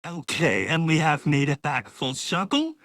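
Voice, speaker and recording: A man giving a casual, rambling software walkthrough, his voice processed by a real-time AI voice changer. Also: a little high, huge pitch swings, a little slow, gravelly, no echo, studio quality. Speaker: host demonstrating voice changer software.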